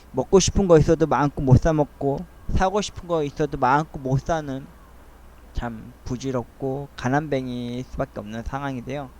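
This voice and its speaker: A middle-aged man rambling through a soliloquy-style audio essay, speaking in a halting, earnest and wistful way. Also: mid-range voice, a little mellow, a little hiss or hum. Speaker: host of a monologue essay channel.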